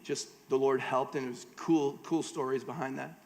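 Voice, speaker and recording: A man's voice: mid-range voice, steady tone, moderate pace. A middle-aged American man preaching a conversational sermon at a church conference, slipping joking asides between scripture readings. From United States. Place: large church auditorium. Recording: long hall reverb.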